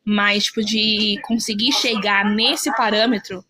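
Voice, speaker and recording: A woman's voice: mid-range voice, steady tone, measured pace, bright, forceful tone. A woman with a Brazilian Portuguese accent, earnestly telling a personal story as a mother of an autistic child, often quoting what others said.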